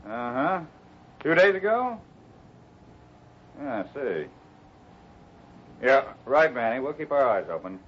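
Fatherly ranch foreman, lively inflection. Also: mid-range voice, slow pace, long pauses, breathy edge, exaggerated voice. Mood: steady. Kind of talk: 1950s radio drama acting. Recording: muffled, noisy old radio recording.

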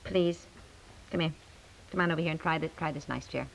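A woman's voice: low-pitched, fairly quick, creaky, low-quality recording. A woman playing a practical, exasperated housewife and mother in 1950s radio comedy, coaxing and chiding. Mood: placating. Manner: coaxing, chiding, matter-of-fact.

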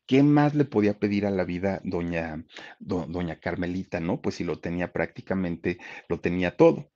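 A man telling a life story casually, talking right to his listeners. His voice sits low but moves with lively pitch. The recording sounds dull and lo-fi. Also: moderate pace. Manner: chatty, addresses listeners, many fillers.

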